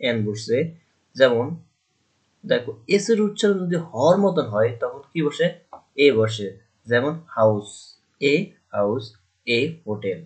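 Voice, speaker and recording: A male teacher explains a grammar rule in a classroom style. He keeps asking questions and answering them himself, repeating each point so the students remember it. His voice sits at an ordinary male pitch. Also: animated, a little slow, pauses often. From Bangladesh.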